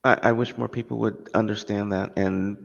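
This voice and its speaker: A man hosting a casual interview chat, telling stories in a relaxed, easygoing way. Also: on the low side, moderate pace, vocal fry. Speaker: podcast host. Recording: dull lo-fi audio with long reverb.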